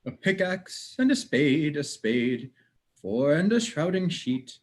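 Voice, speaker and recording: A man's voice: on the high side, very animated, takes it slowly, exaggerated voice. A man playing a cheerful, blunt, teasing gravedigger in a theatrical Shakespeare reading. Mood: carefree. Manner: theatrical, teasing, mock-argumentative.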